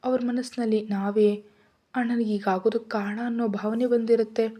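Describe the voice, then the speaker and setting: A woman voicing a gentle, playful husband and father in a read-aloud story. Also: on the high side, little pitch movement, a little fast, lightly acted. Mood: soothing. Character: loving husband and father, teasing.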